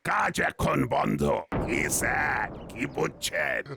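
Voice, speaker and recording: A man playing a bossy, theatrical police officer in a cartoon, with a gravelly voice and a pompous drawl. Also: medium pitch, lively intonation, slow, background noise, full character voice. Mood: bossy, commanding.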